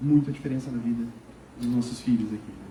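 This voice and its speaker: In a southern Brazilian accent, a man talks in a room with audible echo. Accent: gaúcho accent noticeable. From southern Brazil, Porto Alegre. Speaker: education program representative. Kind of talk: presentation to parents at school event. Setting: amphitheater with audience. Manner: enthusiastic.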